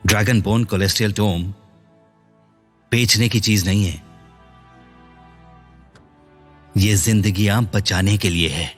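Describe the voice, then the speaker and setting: A man dubbing a deep, stern middle-aged father. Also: steady tone, moderate pace, soft background music, natural voice. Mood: earnest.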